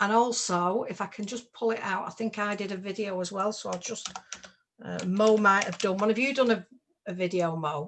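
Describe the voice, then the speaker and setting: A woman speaks with a northern English accent at a moderate pace. Her intonation is fairly even. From northern England, Salford, Manchester. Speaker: webinar presenter. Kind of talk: training webinar. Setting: live online webinar.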